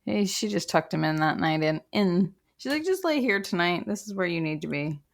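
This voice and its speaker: A woman's voice: lowish voice, sing-song, moderate pace, vocal fry. A woman co-hosting a true crime podcast, chatting casually with wry, joking interjections. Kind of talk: casual chat with quips.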